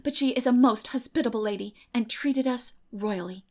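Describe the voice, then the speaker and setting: Woman voicing a gushing, high-pitched dreamy young girl. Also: moderate pace, darkish tone. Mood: earnest, chatty. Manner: gushing, dramatic, breathy in rapture. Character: excitable, earnest, dreamy orphan girl.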